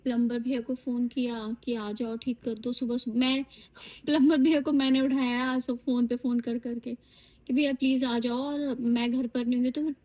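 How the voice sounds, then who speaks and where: A tired woman chats away in a high, bright voice as she vlogs from a TV set. She talks straight to her viewers, casual and animated, while sounding sleepy. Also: moderate pace, poor audio. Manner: chatty, animated, addresses viewers as lovelies. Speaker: vlogger and TV actress. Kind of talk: casual chatty vlog. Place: on a TV shoot location, in and out of doors.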